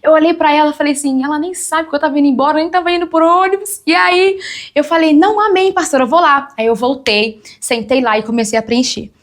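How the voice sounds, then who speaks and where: A young Brazilian woman shares her testimony as a guest on a church talk show, acting out the voices of people she quotes. She speaks quickly in a high-pitched voice.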